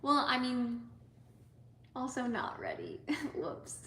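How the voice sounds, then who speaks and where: A young woman from the United States, hosting a casual livestream as an artist. She talks softly and rambles with lots of "like" and "um", sometimes dropping almost to a whisper. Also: high voice, sing-song, takes it slowly. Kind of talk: casual livestream chat with viewers. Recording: echoey room with faint ambient noise.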